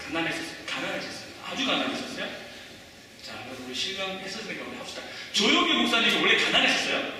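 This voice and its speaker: A man's voice: high-pitched, very animated, rapid-fire, sharp tone, recorded from a distance. A pastor in his forties preaching a sermon, talking conversationally and quizzing the congregation with questions, heard from off the mic in an echoey church hall. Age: 40s.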